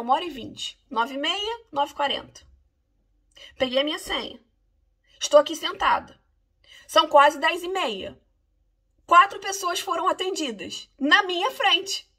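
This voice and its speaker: A Brazilian immigration lawyer with a Brazilian Portuguese accent casually recounts something that happened to her, sounding indignant and emphatic. Her voice is high-pitched with a sharp tone.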